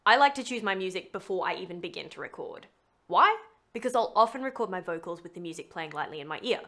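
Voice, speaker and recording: A woman presents a scripted tutorial in a medium-pitched voice. She is chatty and leans on her key words, with a self-deprecating streak of humour. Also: expressive, fast, sharp tone. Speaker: voice actor teaching how to make a demo reel. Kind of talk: scripted tutorial narration to camera.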